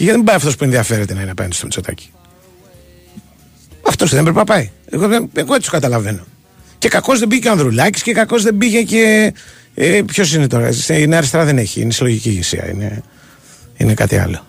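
Husky, lively-voiced male radio co-host. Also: a little high, faint music behind. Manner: insistent, argumentative, talks over his partner. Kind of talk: heated studio debate on radio. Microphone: studio microphone.

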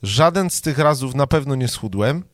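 A man's voice: mid-range voice, moderate pace, no room sound, studio quality. A man co-hosting a casual chat, teasing and cracking jokes. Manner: joking, teasing, animated. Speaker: podcast co-host.

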